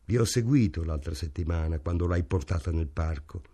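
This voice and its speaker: A man reading an audiobook, voicing a crude young crook who talks slowly and sneers threats. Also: deep voice, dark tone, breathy edge, voice pushed down. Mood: sneering.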